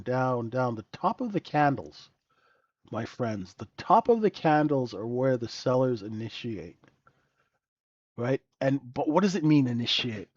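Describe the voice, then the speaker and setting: A man's voice: medium pitch, darkish tone, no echo, dull audio. A man hosting a live trading room, talking through the chart with a stuffy, nasal voice and sniffling, keeps asking "right?".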